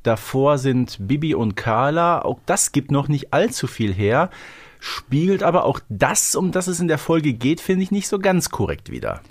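A man's voice: a little high, sing-song, moderate pace, no room sound. Man co-hosting a podcast, dry sound. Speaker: podcast co-host. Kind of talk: casual chat.

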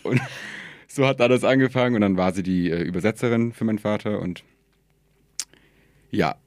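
A man in his twenties, a podcast guest from Germany, talking in a relaxed, hesitant way with many fillers and easy laughter. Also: on the low side, moderate pace, no echo. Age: 20s. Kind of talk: casual conversation.

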